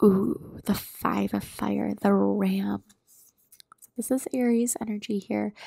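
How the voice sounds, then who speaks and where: This voice is soft-spoken. The pace is very slow. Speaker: tarot reader. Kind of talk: ASMR soft-spoken tarot deck flip-through.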